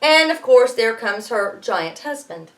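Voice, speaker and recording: A woman teacher reading a storybook aloud to students in an expressive way, pausing to explain things. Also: on the high side.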